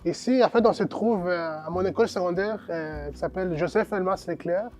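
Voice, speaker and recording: A man's voice: sits high, brisk, darkish tone, faint music behind. A young man from Rwanda giving a thoughtful, hesitant documentary testimony at his secondary school. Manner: hesitant, thoughtful, many fillers. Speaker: interviewee.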